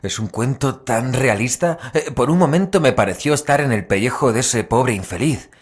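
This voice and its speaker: A man's voice: mid-range voice, expressive, normal speed, slightly rough. A man with a Spain accent playing an uneasy, reluctant investigator with hesitant, wry delivery in an audio drama. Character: uneasy, reluctant, grumbling male investigator with dry sarcasm. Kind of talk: Spanish-language audio drama dialogue and narration.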